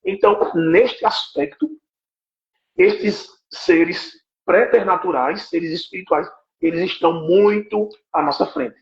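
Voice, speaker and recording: A man in his forties delivers a patient teaching talk in a high voice. He keeps checking that his listener follows. The recording is a roomy, echoing live stream with a dull, lo-fi sound. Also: slow, gravelly. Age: 40s. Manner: explanatory, keeps checking with "right?". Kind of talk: teaching talk on spiritual warfare.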